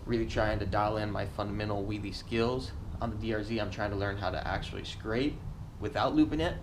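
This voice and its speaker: A man's voice: on the low side, brisk. A man giving a casual, slangy vlog update to his viewers. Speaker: motovlogger. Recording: faint background noise.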